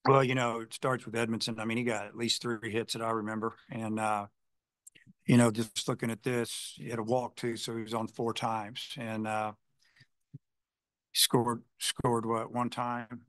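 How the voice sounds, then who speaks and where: A male head coach fields questions at a postgame press conference, wandering through his answers with constant fillers and self-corrections. His voice sits at a middle pitch and sounds dry and close, with no room echo. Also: flat delivery, moderate pace, fairly bright tone. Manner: rambling, heavy on "you know" fillers and restarts.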